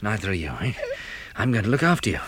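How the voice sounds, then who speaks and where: A man playing a weary, kindly English survivor in a 1960s radio drama, gentle and measured in manner. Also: on the low side, very animated. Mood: gentle, reassuring. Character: weary, kindly male survivor narrating his journey. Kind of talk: 1960s British radio drama narration and dialogue. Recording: hissy old radio recording.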